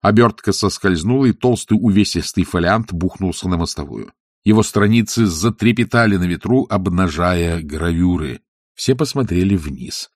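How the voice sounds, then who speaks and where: A man narrating an audiobook with expressive storytelling. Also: low voice, moderate pace, dry recording, clean studio sound.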